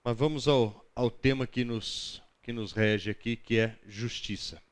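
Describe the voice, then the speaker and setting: A man's voice: medium pitch, steady tone, unhurried. A Brazilian man teaching a Bible class in a conversational, didactic lecture style, often putting questions to his listeners.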